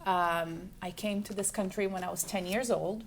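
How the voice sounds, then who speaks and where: A shop owner from Brazil, a woman in her forties, talks through her answers casually. She fills pauses with ums and restarts her sentences, at an ordinary pitch. A faint hiss sits under the recording. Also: fairly even intonation. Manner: chatty, lists things with many ums and restarts. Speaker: juice bar owner.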